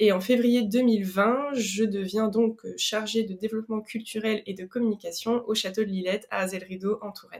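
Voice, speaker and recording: At a moderate pace and with hardly any pauses, a woman talks in a monotone, flat way at a fairly high pitch. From France, Bourges (Centre region). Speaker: social media content creator. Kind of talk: interview.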